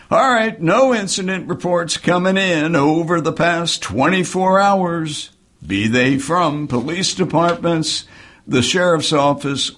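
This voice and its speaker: A male newscaster reads headlines, traffic and markets slowly and steadily into a studio microphone. His voice sits a little high for a man. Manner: measured, steady news delivery. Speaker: radio newscaster. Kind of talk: news reading. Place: radio studio.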